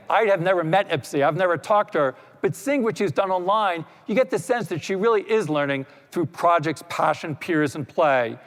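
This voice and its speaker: A man giving a conference talk, explaining in a relaxed way with many "you know" asides. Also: a little high. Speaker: panel speaker. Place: lecture hall. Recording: echoey hall reverb.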